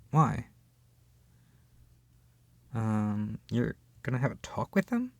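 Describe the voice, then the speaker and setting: Expressive, husky voice of a flustered book-clubber. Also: mid-range voice, dry recording. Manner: expressive, hesitant, with sighs and whispered asides. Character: flustered, opinionated book club member, embarrassed but fair-minded. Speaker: ASMR roleplay voice actor. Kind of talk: scripted audio roleplay, acted as one side of a conversation addressed to the listener.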